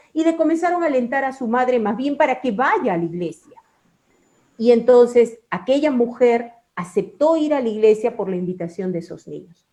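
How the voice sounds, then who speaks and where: A woman's voice: a little high, dark tone. A woman hosting a Christian program, telling devotional stories and introducing guests in an earnest, formal, reverent manner. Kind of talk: devotional storytelling and interviewing.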